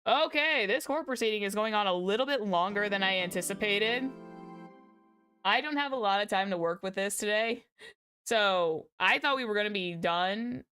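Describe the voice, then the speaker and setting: A woman streaming casually to her viewers, chatty and repeating herself, her voice slightly hoarse. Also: mid-range voice, fairly bright tone. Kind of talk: casual livestream chat.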